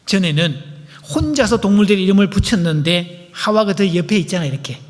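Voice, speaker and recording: A male pastor gives an animated couples-seminar talk, playful and full of questions to the congregation. His voice sits high for a man. Long reverb from a church sanctuary trails every phrase. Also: a little fast. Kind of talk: lively seminar lecture. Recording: echoey church hall.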